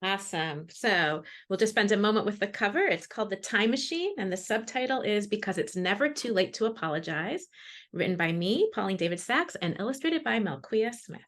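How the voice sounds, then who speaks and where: A woman's voice: medium pitch, lively intonation, fairly quick, a bit bright. A woman, a children's author, introducing and reading her picture book to classrooms over a video call.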